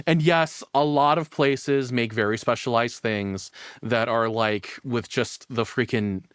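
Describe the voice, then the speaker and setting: A man's voice: medium pitch, fairly even intonation, unhurried, clear, resonant tone, no echo, studio quality. A man giving casual, off-the-cuff reaction commentary, rambling and blunt, with plenty of swearing. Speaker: streamer reacting to a video.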